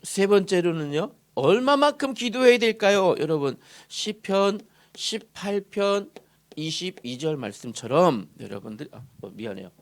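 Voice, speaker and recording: A male pastor preaching a sermon in a church, posing questions to the congregation and answering them himself, moving from loud emphasis to soft murmurs. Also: high-pitched, sing-song, measured pace. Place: church sanctuary.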